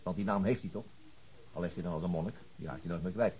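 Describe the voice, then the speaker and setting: A man plays an earnest senior police detective in a radio crime drama. His voice sits on the low side, and he talks in a thoughtful, naturalistic way with a strict streak. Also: fast talker, darkish tone, natural voice, low-quality recording. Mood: reflective.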